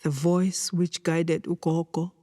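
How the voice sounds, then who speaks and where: An actress playing a grave granddaughter of healers, telling her story in a measured, emphatic way. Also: on the low side, flat delivery, dark tone, no echo, clean studio sound. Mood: solemn, mournful. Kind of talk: dramatic storytelling monologue.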